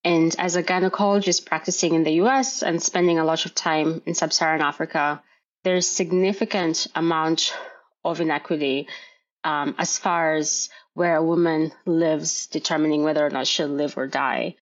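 A middle-aged woman from Kenya, a gynecologist guest explaining health issues in a measured way on a podcast. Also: deep voice, steady tone, highs cut off. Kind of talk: podcast interview.

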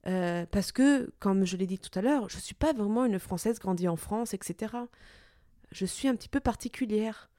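Young woman, Italian-Portuguese accent, native Italian; warm, soft tone; hesitant, reflective podcast monologue; dry close mic. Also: mid-range voice, dry recording. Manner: thoughtful, hesitant, many pauses and restarts. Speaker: podcast host.

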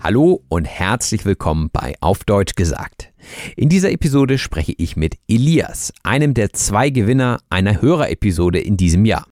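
A man hosting a podcast for language learners, introducing the episode and interviewing a guest in a clear, measured way. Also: on the low side, big pitch swings, darkish tone, dry recording, clean studio sound. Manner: clear, measured, teacherly delivery. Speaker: podcast host.

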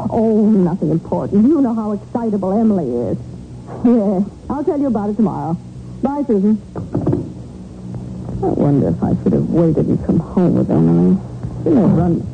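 A woman's voice: medium pitch, very animated, normal speed, creaky, long pauses. A woman playing a homely middle-aged small-town mother and landlady in a 1940s radio drama. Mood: chatty. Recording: noisy, narrow-band 1940s radio recording.

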